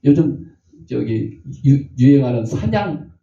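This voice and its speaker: A man's voice: medium pitch, lively intonation, takes it slowly, gravelly, warm tone. An older man preaching a sermon as pastor, telling folksy stories and acting out the voices of the people in them. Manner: folksy storytelling, acts out voices. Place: church sanctuary. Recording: echoey, distant, dull church recording.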